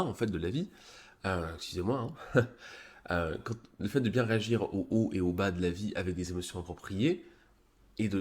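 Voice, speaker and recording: A man who has a cold, hosting a live stream, explaining a psychology article in a casual, halting way with many fillers and restarts. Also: lowish voice, a little mellow. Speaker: streamer presenting a psychology review.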